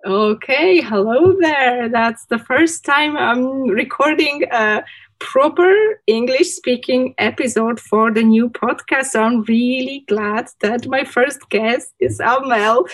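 A woman's voice: a little high, slow. A woman hosting a podcast, chatty and enthusiastic, laughing easily. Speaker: podcast host. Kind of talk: casual podcast interview.

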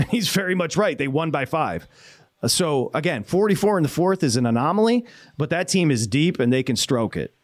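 A man hosting a sports betting show, talking casually in an animated, ranting way with quick asides. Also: fairly high pitch. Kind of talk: casual sports radio talk.

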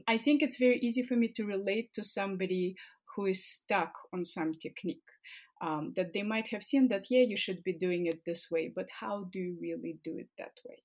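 A woman's voice: mid-range voice, a little mellow. A middle-aged woman from Russia with a Russian accent, a cooking teacher talking animatedly in an interview and laughing often. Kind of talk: conversational interview.

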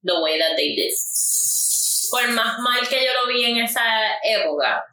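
A woman, chatting casually and telling stories with lots of energy. Her voice is bright, and she slips into English and does the voices of the people she's quoting. She sits some way from the mic, in a room with a noticeable echo. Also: a little high, a little slow. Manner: animated storyteller, switches into English, acts out voices. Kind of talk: casual chat. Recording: echoey room, mic at a distance.

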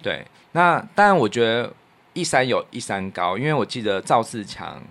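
A man's voice: medium pitch, sing-song, moderate pace, a bit bright. A man with a Taiwanese Mandarin accent chatting casually and reflectively as a podcast co-host, in a modest, self-effacing way. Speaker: podcast co-host, radio producer. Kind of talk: casual chat, reflective storytelling.

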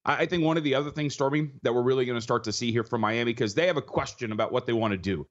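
A tired man with a husky voice, a betting analyst breaking down games quickly, rattling off stats with frequent restarts. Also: mid-range voice, muffled recording. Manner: fast, stat-heavy, with frequent restarts. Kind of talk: rapid sports betting analysis.

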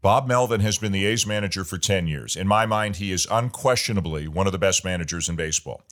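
A male host with a low, deep voice who asks questions in a relaxed, conversational way. He offers his own opinions freely and adds easygoing asides. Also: fast talker. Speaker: podcast host. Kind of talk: conversational interview hosting.

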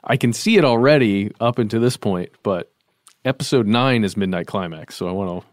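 A man's voice: fairly low pitch, brisk, no echo, studio quality. A man co-hosting a podcast, chatting casually with a guest and the listeners. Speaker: podcast co-host. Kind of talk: casual conversational interview.

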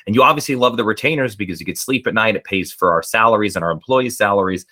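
A man's voice: fairly low pitch, quick pace, sharp tone. A man talking as a guest in an interview about building a brand, explaining earnestly at length. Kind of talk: casual interview answers.

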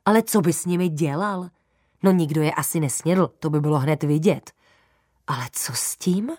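A woman narrating a children's story in the first person as a girl, lively and playful with whispered asides. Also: low voice, dry recording, clean studio sound.

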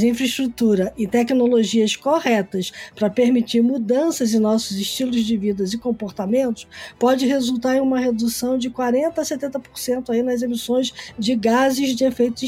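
A woman hosting a podcast, reading a measured scripted intro and then leading the interview. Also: on the high side, fairly even intonation, dark tone, breathy edge, soft background music. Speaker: podcast host.

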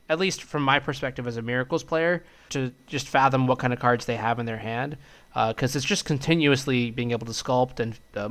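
A man's voice: medium pitch, a bit bright. Guy cohosting a podcast, rambly, lots of uh and like, restarts a lot. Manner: rambling, many fillers and restarts. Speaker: podcast co-host. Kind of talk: casual podcast chat.

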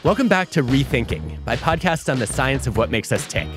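A man hosts a podcast and leads the interview with curious, enthusiastic questions. His pitch is in the ordinary middle range for a man. Faint music plays underneath him. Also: expressive, a little fast. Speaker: podcast host, psychologist.

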